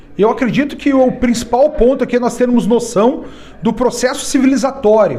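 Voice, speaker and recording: In a Rio Grande do Sul accent, the speaker talks at a fairly quick pace over noticeable background noise. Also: man. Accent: gaúcho. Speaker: political analyst. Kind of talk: interview.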